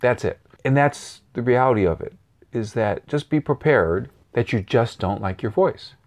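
Animated man coaching on fear. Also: medium pitch, moderate pace. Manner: animated, acts out voices and sounds; repeats key phrases for emphasis. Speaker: guest, speaking coach. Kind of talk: interview answering questions.

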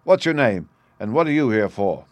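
A man voicing a tall, swaggering young male convict who boasts loudly and laughs at his own schemes. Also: mid-range voice, sing-song, moderate pace, no room sound, natural voice. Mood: sly.

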